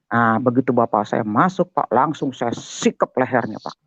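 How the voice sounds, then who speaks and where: An older man telling his conversion testimony as a guest, animated and talking straight to his listener. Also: mid-range voice, normal speed, no room sound. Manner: animated, keeps addressing the listener as "Pak". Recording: dull, muffled, dry sound.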